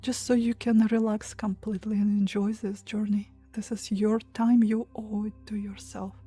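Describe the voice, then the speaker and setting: A woman leading a guided meditation in a soft, breathy, hushed and soothing voice, pausing between short phrases. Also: medium pitch, flat delivery, soft background music. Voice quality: soft, breathy, near-whisper at times. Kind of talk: guided meditation, hypnotic relaxation countdown.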